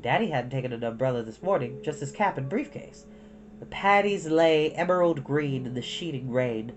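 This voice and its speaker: A woman reading a children's storybook aloud in an expressive narrating style. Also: a bass voice, normal speed, soft background music. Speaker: storytime reader.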